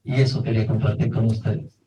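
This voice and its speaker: A man's voice: on the low side, little pitch movement, warm tone, slight background noise. Reflective man telling a story, distant and roomy. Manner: halting, reflective, pauses and restarts. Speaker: participant in a group circle. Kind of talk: personal storytelling. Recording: roomy, from far off the mic.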